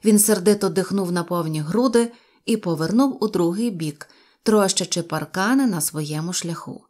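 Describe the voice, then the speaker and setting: A woman narrating a children's story aloud with a lively, expressive reading. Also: on the low side, moderate pace. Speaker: audiobook narrator.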